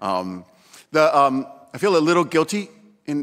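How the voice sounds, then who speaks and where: A man talks with a Pittsburgh accent. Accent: Pittsburgh American English. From US, Pittsburgh. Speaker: professor. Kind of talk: acceptance speech. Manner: halting, many fillers.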